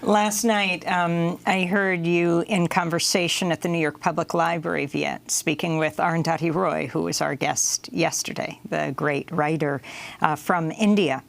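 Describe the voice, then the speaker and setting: An older woman hosting a news interview in a TV studio, measured and announcing. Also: fairly low pitch, fairly even intonation, gravelly. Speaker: host.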